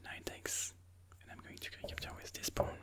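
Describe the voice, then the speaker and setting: In a mostly unvoiced, breathy whisper, someone hosting an ASMR chess video calmly muses through the game at a slow pace, offering soothing commentary.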